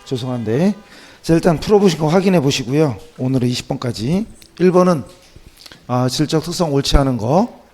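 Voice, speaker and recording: A man with a voice hoarse from a cold, teaching an accounting class through practice questions with short check-in questions. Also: mid-range voice, dark tone. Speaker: accounting exam lecturer.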